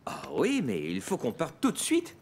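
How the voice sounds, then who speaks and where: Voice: mid-range voice, huge pitch swings, moderate pace, very noisy. An actor voicing an obliging, playful parent in a children's cartoon. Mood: busy, friendly.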